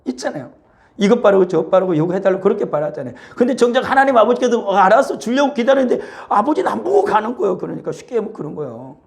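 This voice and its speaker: Male pastor, lively sermon delivery, a touch high-pitched, acts out dialogue. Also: rapid-fire, gravelly. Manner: animated, acts out little dialogues between father and child. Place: church sanctuary.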